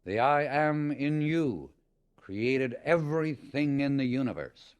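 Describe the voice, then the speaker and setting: A man narrating a scripted spiritual audiobook in a measured, emphatic, instructional manner. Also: medium pitch, clean tone.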